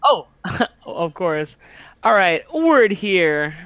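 A man's voice: high voice, big pitch swings, very slow, fairly bright tone, clean tone, dry recording. A young man as a podcast guest, chatting casually in a jokey, slangy way. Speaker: podcast guest, YouTube cartoon animator. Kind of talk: casual joking chat.

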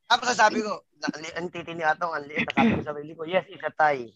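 A man with a high voice holds forth in a rowdy group chat, telling crude jokes with animated, playful timing. Other voices chatter around him on the recording. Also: rapid-fire, lo-fi sound. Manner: joking, crude, animated storyteller. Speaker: podcast co-host. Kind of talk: raunchy casual banter.

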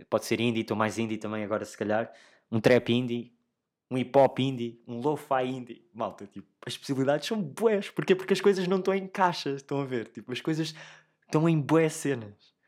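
Casual young man with a European Portuguese accent. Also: mid-range voice. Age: young adult. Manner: informal and slangy, addressing listeners directly. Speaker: podcast host. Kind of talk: casual solo podcast chat.

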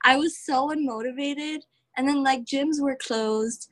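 Young woman from Texas, wrestler guest, chatty and laughing, voice a bit high, lots of "like". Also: measured pace. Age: young adult. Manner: chatty, heavy use of "like", laughs often. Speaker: professional wrestler, interview guest. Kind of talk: casual interview answers.

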